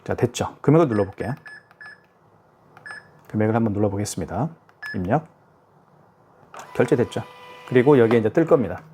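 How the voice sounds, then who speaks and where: A man's voice: fairly low pitch, lively intonation, brisk, long pauses, dark tone. A man giving a casual product tutorial, narrating each step aloud and checking in with the viewer. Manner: chatty, self-narrating each step, frequent "자" and "그죠?". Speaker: product demonstrator. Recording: faint hiss with device clicks.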